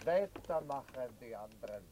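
An actor playing a gruff, commanding camp guard in a radio drama. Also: male voice, medium pitch, lively intonation, moderate pace, natural voice. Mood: gruff, scolding. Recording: distant voice, loud background noise.

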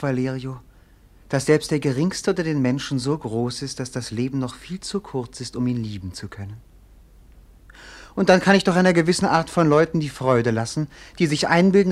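An actor playing a melancholy, rapturous young prince in a classic German radio play, with poetic, declamatory delivery. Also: male voice, a little high, close to an everyday voice. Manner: poetic, declamatory, swinging from hushed to ecstatic.

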